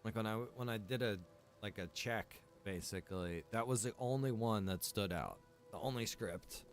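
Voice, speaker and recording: Low-voiced man chatting casually on a game stream. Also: normal speed, faint music behind. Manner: informal, swearing, slangy. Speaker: streamer and game server developer.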